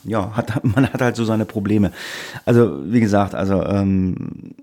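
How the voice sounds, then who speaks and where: A man's voice: fairly low pitch, measured pace, warm tone. A man co-hosting a casual podcast chat, telling grumbling tech stories in a rambling way full of fillers. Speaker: podcast co-host.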